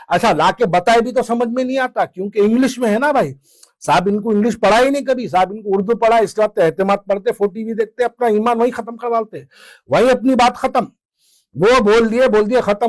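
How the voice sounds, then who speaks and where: A man's voice: high-pitched, dry recording. A man giving impassioned political commentary, fiery and sarcastic, full of rhetorical questions.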